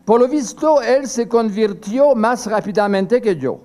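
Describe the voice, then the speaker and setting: An older priest, originally a French speaker, delivers a seminar talk from a prepared text in an extremely high-pitched yet dark-toned male voice with lively intonation. He speaks slowly and haltingly, restarting and pausing frequently.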